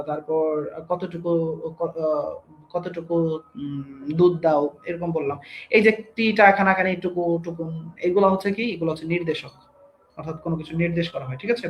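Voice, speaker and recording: High-voiced young male teacher, echoey room. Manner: explains step by step, asks students questions. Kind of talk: online grammar class.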